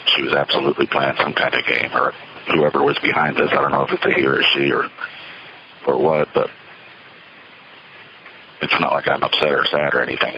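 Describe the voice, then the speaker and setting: A man giving a halting, reflective, rambling monologue on a payphone call from an outdoor phone enclosure, with a slightly noisy line. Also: very deep voice, bright, forceful tone. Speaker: solo caller recording monologues from payphones.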